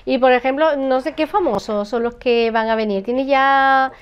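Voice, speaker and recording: A woman's voice: sits high, moderate pace, clear, resonant tone, muffled recording. A middle-aged woman with an accent from Spain, hosting a chatty, informal interview with encouraging interjections. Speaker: interviewer, host. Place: indoor room, seated interview.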